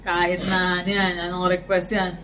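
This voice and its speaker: A woman's voice: lowish voice, completely flat delivery, normal speed, background noise. A woman from the Philippines, a vlogger, chatting casually and telling a story with animation, switching into English for quoted lines. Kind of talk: casual chat.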